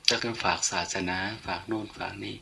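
Older man, monk, loose storytelling sermon, lowish pitch, bright edge. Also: fairly even intonation, brisk, creaky, slight background noise. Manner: chatty, anecdotal, loose and humorous. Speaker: monk giving a dharma talk.

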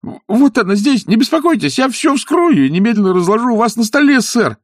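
A man's voice: extremely high pitch, fairly quick, no room sound, clean studio sound, voice pushed up, exaggerated voice. A man voicing an eager, polite young village lad who talks in a breathless rush. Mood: excited. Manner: breathless, excited, overeager.

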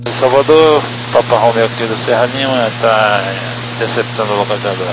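Pilot on a noisy cockpit radio. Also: male voice, medium pitch, steady tone, moderate pace. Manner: terse clipped radio phraseology. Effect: pilot talking over cockpit radio. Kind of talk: air traffic radio exchange. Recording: noisy distant radio transmission.

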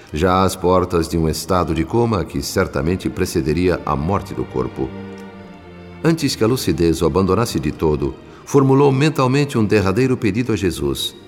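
A man narrating a radio drama as a humble spirit, in a solemn, measured, literary manner. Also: low voice. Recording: long reverb, music behind.

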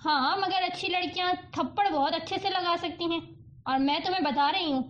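A woman voicing a stern, quick-tempered young woman in a storybook reading, with a sharp scolding delivery. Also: very high-pitched. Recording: dull lo-fi audiobook recording.

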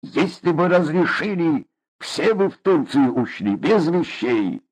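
A man's voice: a little high, sing-song, measured pace, pitched above the performer's own voice, exaggerated voice. A man doing a raging hot-tempered father. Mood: scornful. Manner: loud, blustering, sarcastic. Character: hot-tempered middle-aged Caucasus father. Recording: dull lo-fi audiobook recording.

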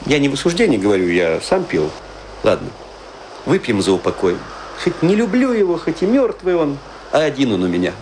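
A man's voice: mid-range voice, huge pitch swings, a little fast, a little mellow, slight background noise, rough recording. A man playing a tipsy, self-pitying middle-aged washed-up actor, rambling confessionally in a theatrical radio play monologue. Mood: maudlin, rueful. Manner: rambling confessional, swinging between lament and mock pride.

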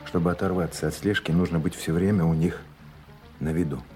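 An actor playing a guarded secret agent, tender but bitter, with an intense, deliberate delivery in a Russian audio play. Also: male voice, low voice, steady tone, mellow, lightly acted. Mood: brisk, commanding. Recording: music under the voice.

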